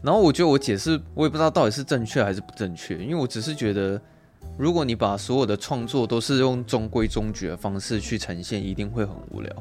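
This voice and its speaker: A man's voice: medium pitch, fast talker, a little mellow, faint music behind. A man, co-hosting a casual film chat, laughing often, swearing now and then and acting out quotes. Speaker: podcast co-host.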